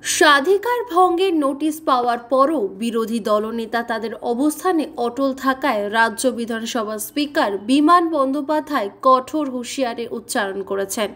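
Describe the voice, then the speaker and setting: A woman news anchor reading a scripted bulletin in a formal, steady manner. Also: high-pitched, normal speed.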